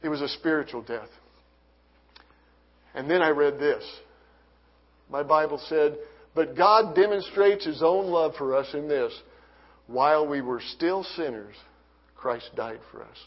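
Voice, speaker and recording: A man giving an earnest personal faith testimony, halting with restarts and reading scripture aloud. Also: fairly high pitch. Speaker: testimony speaker. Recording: dull lo-fi recording.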